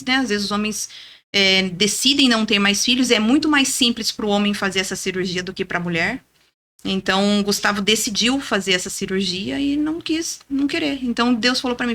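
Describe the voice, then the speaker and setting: A woman in her thirties telling a personal faith story as a podcast guest, earnest and lively, often adding "né?". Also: on the high side. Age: 30s. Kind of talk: testimony in casual chat.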